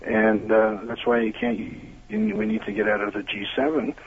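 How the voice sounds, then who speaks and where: A man with a Toronto accent calling in to a radio show, talking earnestly with many "uh"s and pauses. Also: fairly low pitch, sing-song, creaky, slightly rough, dry recording. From Toronto, Canada. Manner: earnest, halting, many fillers. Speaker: caller. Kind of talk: call-in phone chat. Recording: tinny phone line.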